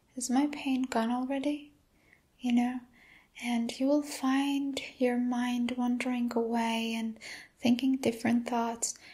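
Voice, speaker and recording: Over a quiet background, a woman with a high voice speaks very slowly in a soothing, gentle, dark and mellow tone with monotone, flat intonation. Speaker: ASMR creator and meditation guide. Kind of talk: guided meditation. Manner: slow, smooth, soothing, with gentle paced counting. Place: home room. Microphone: studio mic.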